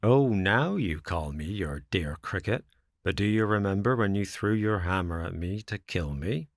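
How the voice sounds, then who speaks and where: A little talking cricket from a children's tale acted out by a man. It talks in a measured, reproachful way with animated intonation, close and dry. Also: sits low, no room sound.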